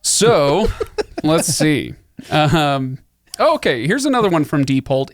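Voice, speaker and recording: A man hosting a casual book discussion podcast, chatty and animated, laughing often as he explains. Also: mid-range voice, creaky, no room sound, clean studio sound. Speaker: podcast host.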